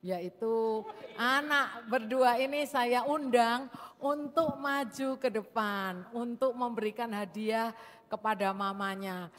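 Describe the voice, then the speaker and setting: A woman's voice: fairly high pitch, slow. A woman pastor preaching in a church service, speaking with amens and asking the congregation questions. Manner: warm preaching with call-and-response amens. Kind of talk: sermon. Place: large church hall. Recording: reverberant church hall with music.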